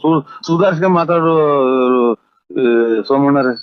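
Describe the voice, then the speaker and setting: A man's voice: on the high side, normal speed. A man in a rural comedy dialogue who pleads and rambles in a flustered way. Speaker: comedy performer. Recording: dull lo-fi dry audio.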